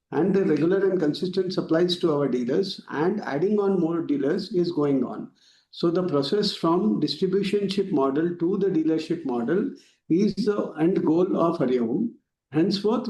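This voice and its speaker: A man with an Indian accent giving formal, halting explanations as a company executive on a business call. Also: fairly high pitch, warm tone, lo-fi sound. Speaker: company executive answering questions. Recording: echoey room on conference call.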